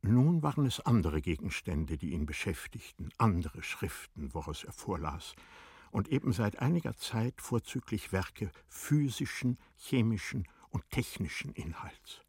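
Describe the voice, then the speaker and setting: A man narrating a literary radio drama in measured, formal storytelling style. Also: on the low side, sing-song, a little mellow, breathy edge, dry recording, clean studio sound.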